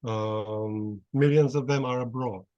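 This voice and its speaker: Slow Romanian-accented man on a dull call. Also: medium pitch, fairly even intonation, dark tone, dry recording. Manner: slow, hesitant, repeats words as he finds them. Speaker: guest, prospective partner. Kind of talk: video call conversation.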